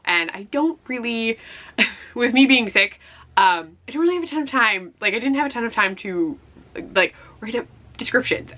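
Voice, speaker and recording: A woman with a slightly hoarse voice chats casually like a book vlogger, rambling with self-deprecating asides. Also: medium pitch, sharp tone. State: slightly hoarse after flu. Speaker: book vlogger hosting a year-end favorites video. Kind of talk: casual chatty vlog talk.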